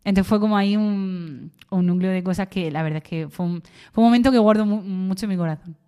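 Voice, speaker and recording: A woman's voice: medium pitch, fairly quick, dark tone, clear, resonant tone. Young woman telling a heartfelt story. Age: young adult. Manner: emotional storytelling with many fillers and restarts. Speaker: interviewee, university student. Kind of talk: personal testimony in conversation.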